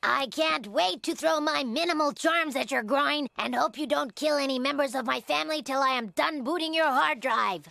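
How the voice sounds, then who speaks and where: A woman's voice: sits high, moderate pace, creaky, few pauses, bright, forceful tone, no room sound, heavily acted. A woman voicing a cartoon character who recites a silly home play in a hammy, melodramatic way. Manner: hammy, melodramatic line reading. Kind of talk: cartoon voice acting.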